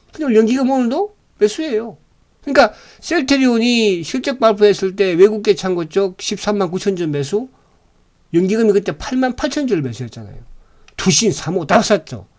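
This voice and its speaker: A man giving casual stock market commentary, bluntly, throwing rhetorical questions at his viewers and asking them to agree. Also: sits high.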